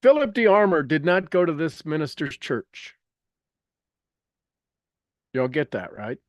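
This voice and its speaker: A very animated, somewhat high-voiced man speaks a little slowly, captured with clean, dry studio sound. Teaching informally and emphatically, he reads from a self-help book, then rambles off into asides, cutting himself off and repeating phrases for emphasis.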